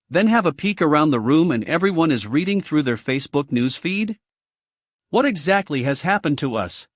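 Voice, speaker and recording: Lively Greek-accented man narrating. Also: on the high side, dry recording, studio quality. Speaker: audiobook narrator. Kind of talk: self-help audiobook narration.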